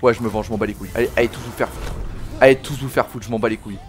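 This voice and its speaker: Racing along in a mid-range voice with fairly even intonation, a man hosts a gaming video over soft background music. He swears, uses slang, and sounds angry as he narrates his play, speaking to viewers as "les gars".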